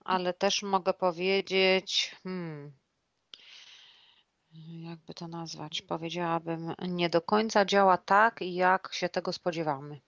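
A woman co-hosting a talk show as a clairvoyant, explaining her views slowly with restarts and examples. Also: lowish voice, steady tone, creaky, fairly bright tone, no room sound, dull audio. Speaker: clairvoyant co-host answering viewer questions. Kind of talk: casual studio chat.

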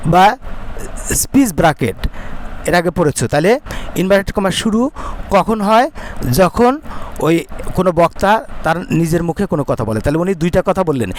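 A Bangladeshi man with a high voice teaches an English lesson to schoolchildren. He reads the English slowly, then explains at speed and keeps asking his listeners questions. Faint background noise runs under the recording. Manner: slow, deliberate reading of English lines, then quick explanation. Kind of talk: classroom lesson explaining a textbook story.

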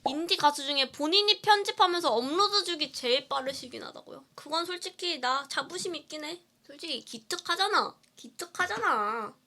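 This woman's voice is high-pitched, pushed and bright. An indie singer live-streaming, she chats casually while eating, playful and giggly as she responds to viewer comments.

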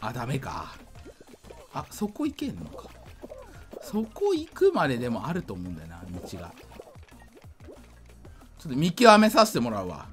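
Man, drunk, slurred rambling, excitable game commentary, repetitive, hugely animated intonation, music behind. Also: medium pitch, moderate pace, long pauses. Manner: excitable, repeats himself. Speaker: gaming video creator. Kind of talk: casual gameplay commentary.

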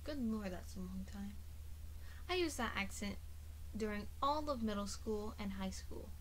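A woman's voice: mid-range voice, expressive, unhurried, slight background noise, low-quality recording. A young adult woman with a British accent that leans a little Welsh, chatting casually through a rambling storytime as a voice actor and YouTuber. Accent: British, slightly Welsh-leaning. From United States. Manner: chatty, rambling, a bit profane.

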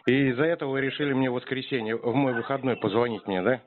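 A man's voice: mid-range voice, steady tone, fast. Man on a noisy, tinny phone line. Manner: rambling, slangy, provocative. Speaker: prank caller answering a telemarketer. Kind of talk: casual phone chat.

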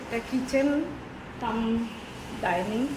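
A chatty woman vlogging on a handheld phone gives a casual home tour. Her voice sits a little high, with clear background noise under it. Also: takes it slowly. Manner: chatty, points things out to viewers. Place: new flat and surroundings in a city, indoors and on a balcony. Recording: noisy phone recording.

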